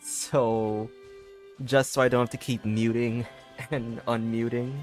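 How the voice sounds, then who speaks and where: A man chats as he livestreams a game. His voice sits at a middle pitch, and he rambles casually and hesitantly over faint background music. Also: little pitch movement, slow pace, a little mellow. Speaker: game streamer.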